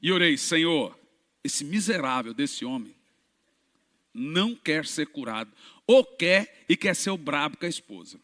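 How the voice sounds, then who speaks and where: Animated preacher in a big hall. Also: male voice, on the high side, measured pace. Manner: animated storytelling, shouting at peaks. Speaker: pastor. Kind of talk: sermon testimony. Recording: reverberant church hall.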